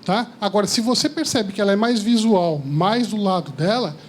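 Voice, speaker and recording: A man giving a lively seminar talk to a live audience, often asking the listeners questions. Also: sits high, normal speed, a little hiss or hum. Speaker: speaker at a seminar. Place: lecture hall with audience.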